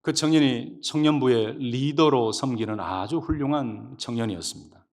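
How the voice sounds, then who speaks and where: A male pastor preaching a sermon, telling stories in an animated, emphatic way from the church pulpit. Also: mid-range voice, normal speed. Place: church sanctuary. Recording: long reverb of a church hall.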